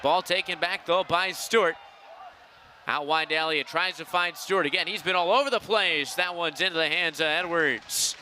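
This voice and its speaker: Young male sportscaster, live play-by-play, sharp ringing tone, projected delivery, faint venue ambience. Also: on the high side, normal speed. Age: young adult. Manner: projected, excited on big plays. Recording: faint ambient outdoor noise behind.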